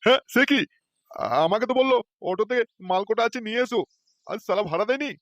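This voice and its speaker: A man's voice: sits high, lively intonation, quick pace, a bit bright, no echo, studio quality. A man voicing a stingy, hot-tempered middle-aged man in a cartoon who blusters and threatens. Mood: blustering. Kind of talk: cartoon voice acting.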